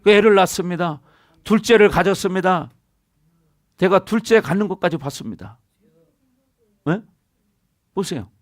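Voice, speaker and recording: High-voiced male pastor preaching. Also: animated, normal speed, no room sound, clean studio sound. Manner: preaching with call-and-response to the congregation. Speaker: senior pastor. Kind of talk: sermon. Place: church sanctuary.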